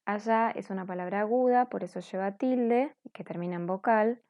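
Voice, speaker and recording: A woman's voice: mid-range voice, normal speed, no echo, highs cut off. A woman teacher going over corrected grammar exercises in a patient, explanatory way, often checking in with her students. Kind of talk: recorded class correction lesson.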